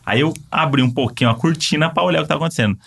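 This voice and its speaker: A man with a Brazilian accent telling a story in casual chat, animated and full of fillers. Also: on the high side, racing, creaky, husky. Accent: Brazilian Portuguese.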